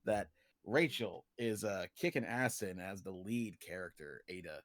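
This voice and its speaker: A man's voice: low voice, lively intonation, a little slow, a bit bright, no echo, studio quality. A man chatting casually and jokingly as a guest animation director on a livestream. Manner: joking, informal, laughs easily.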